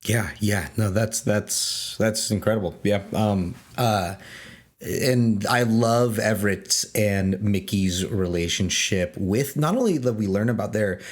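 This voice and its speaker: A man's voice: fairly low pitch, a little slow. A man hosting a casual podcast roundtable, speaking in an appreciative, affirming way. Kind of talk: casual chat.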